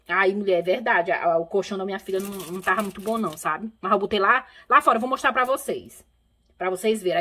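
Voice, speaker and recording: A woman's voice: mid-range voice, a bit bright. A middle-aged woman, chatting casually and rambling to her viewers. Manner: chatty, rambling, keeps saying "mulher" and "minha gente". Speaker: vlogger. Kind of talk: casual chat to camera.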